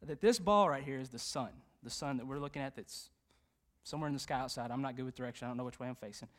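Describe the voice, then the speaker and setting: A man, a youth pastor preaching a sermon in a church, animated and conversational, with frequent fillers and jokes. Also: medium pitch, fast. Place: church sanctuary.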